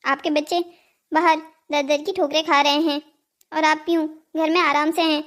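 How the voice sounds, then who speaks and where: An anxious cartoon mother acted by a woman, pleading with and reproaching her husband. Her female voice is extremely high. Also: flat delivery, moderate pace, fairly bright tone. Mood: worried, reproachful. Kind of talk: scripted cartoon story dialogue.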